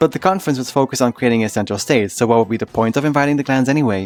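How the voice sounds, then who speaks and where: A man with a non-native accent talks at a very fast pace and medium pitch, the sound dry and close with no echo and music in the background. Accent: noticeable non-native. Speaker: video essayist. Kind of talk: educational history video essay narration.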